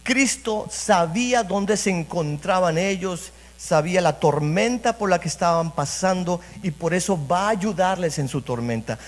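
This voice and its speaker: A man's voice: high voice, expressive, a little slow, hardly any pauses. A man preaching a sermon as pastor, repeating phrases and speaking straight to the congregation. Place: church sanctuary. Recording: reverberant church hall.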